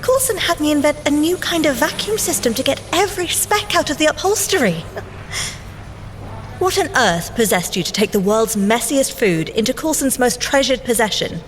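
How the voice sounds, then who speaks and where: An actress playing a brainy, dry, teasing young scientist agent in audio drama banter, speaking precisely. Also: female voice, sits high, animated, normal speed, slight background noise. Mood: incredulous, teasing. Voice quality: precise, wry delivery.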